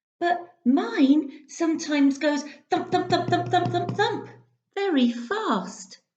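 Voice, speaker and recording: Someone talks at a fairly slow pace in a put-on character voice. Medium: read story. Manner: excitable.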